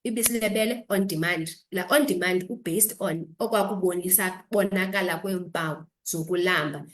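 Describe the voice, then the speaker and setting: Her voice sits on the low side and her pace is brisk as she, a South African-accented woman doctor, explains health advice as an interview guest. She teaches as she talks and alternates between two languages.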